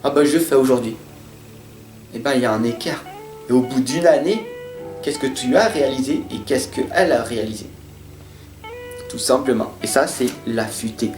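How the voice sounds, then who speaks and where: A man giving a monthly horoscope reading from tarot cards, talking in an earnest, repetitive motivational way, stuttering at times and swinging between loud and soft. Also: mid-range voice, normal speed, long pauses. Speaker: tarot reader. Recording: roomy sound with faint guitar music.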